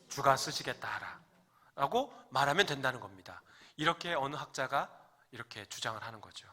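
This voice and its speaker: A man's voice: on the high side, bright, forceful tone. A man preaching a Sunday sermon as pastor in a church sanctuary, talking conversationally, asking the congregation questions and joking with them.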